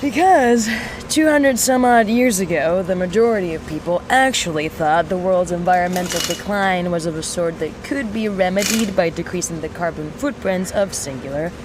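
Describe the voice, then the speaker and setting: A woman playing a sardonic mechanic in a sci-fi audio drama, rambling to a listener with mock-solemn, theatrical pauses. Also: fairly low pitch, background noise, close to an everyday voice. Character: sardonic, rambling young female mechanic in an underground resistance.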